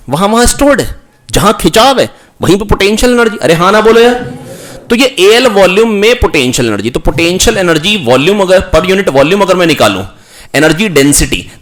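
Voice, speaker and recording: A man's voice: high voice, fairly bright tone. Coaxing male physics teacher. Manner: coaxing, repeats formulas slowly in a chant. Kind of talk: online exam-prep lecture.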